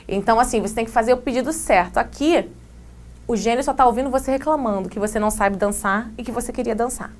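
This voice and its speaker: A woman with a Brazilian Portuguese accent teaching English grammar in a casual, slangy video lesson, reading example sentences slowly. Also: fairly high pitch. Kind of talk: video lesson for exam prep.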